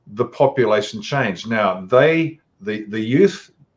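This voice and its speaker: With an Australian accent, this man speaks at medium pitch. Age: 60s. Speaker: political party leader. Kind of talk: interview.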